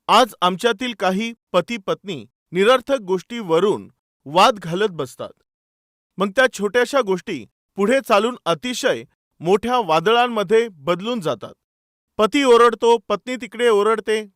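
A man's voice: high voice, a bit bright, no echo, clean studio sound. A male pastor preaching a sermon, asking the congregation rhetorical questions and reading out scripture verses. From India.

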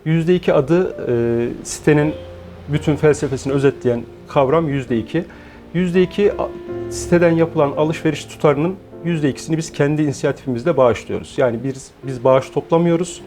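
Measured, mellow-voiced man in his forties. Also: a little high, soft background music. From Turkey. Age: 40s. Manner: measured, explanatory, with frequent hesitation fillers. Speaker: guest, founder of an online shop. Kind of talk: interview.

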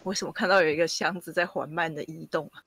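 A woman's voice: low voice, fairly even intonation, fast talker, creaky, fairly bright tone, slightly rough, no echo. A woman playing an online game with friends, chatting eagerly and explaining what she saw. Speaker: game player. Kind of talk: casual gaming chat.

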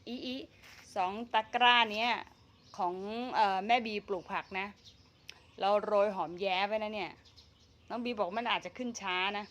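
A woman with a medium-pitched, slightly bright voice and a Thai accent narrates a casual vlog about her home vegetable garden at normal speed. Chatty and talking to herself as she works, she fills her speech with frequent fillers and laughs.

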